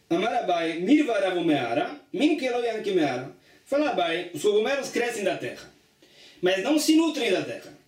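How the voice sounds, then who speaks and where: A man teaching a religious study lesson, reading a passage aloud and then explaining it plainly, often repeating himself. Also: high-pitched. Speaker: Talmud teacher. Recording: echoey room, distant mic.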